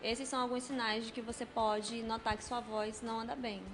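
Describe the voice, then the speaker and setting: A Brazilian woman with a slightly higher voice gives calm, measured explanations as a guest on a studio talk show. Her tone is steady and explanatory. A faint background hiss runs under the recording. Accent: Brazilian Portuguese. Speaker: speech health specialist guest. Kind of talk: explanatory studio interview answers. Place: television studio.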